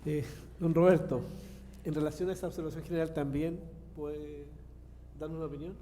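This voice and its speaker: A man's voice: a little high, flat delivery, a little fast, dark tone. A man moderating a seminar panel, courteous and formal as he hands questions over. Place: large auditorium. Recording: reverberant hall, faint noise.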